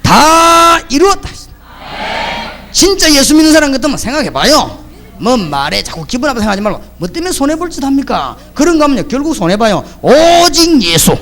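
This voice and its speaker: High-voiced pastor preaching. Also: male voice, fast, a faint crowd. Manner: lively storytelling, acting out the voices of the people he quotes. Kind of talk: sermon.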